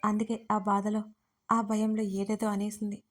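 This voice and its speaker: Woman narrating an audiobook in a flat voice. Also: mid-range voice, a little slow. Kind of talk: scripted storytelling narration.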